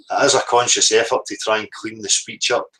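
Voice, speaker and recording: A man's voice: on the low side, pushed and bright, poor audio. A man with a Northern Irish accent hosting a live stream, musing in a rambling, reflective way with casual swearing and an easy, unscripted flow.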